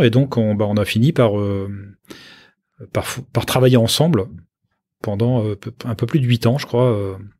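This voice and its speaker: The recording is very clean, with a silent background. A man of medium pitch speaks at a moderate pace, with ordinary pitch variation and long, frequent pauses. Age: 50s. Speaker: entrepreneur. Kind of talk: interview.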